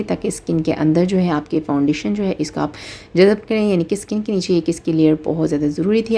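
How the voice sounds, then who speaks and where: A woman's voice: on the low side, creaky, mellow. A woman with a Pakistani Urdu accent giving a step-by-step makeup tutorial, explaining and rephrasing with many fillers. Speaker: makeup artist.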